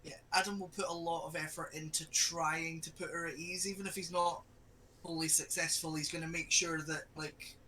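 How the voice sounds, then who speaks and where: High, very bright-voiced man playing a tabletop game. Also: flat delivery, moderate pace, slight background noise, rough recording. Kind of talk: casual game chat, describing his character's actions.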